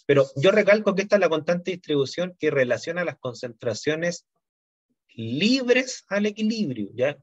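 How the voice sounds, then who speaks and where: University chemistry lecturer, muffled dry sound. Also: male voice, fairly high pitch, breathy edge, no room sound. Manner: explanatory, frequent "¿no es cierto?" and "¿ya?" check-ins.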